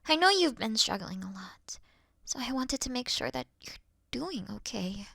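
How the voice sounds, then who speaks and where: A woman playing a caring, worried best friend in an intimate roleplay audio call, speaking softly and soothingly with breathy murmurs. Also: fairly high pitch, very animated, normal speed, dry recording, studio quality, heavily acted. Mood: gentle concern. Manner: soft, soothing, reassuring, sighing, dropping into breathy murmurs. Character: caring, gentle young female best friend, patient and worried.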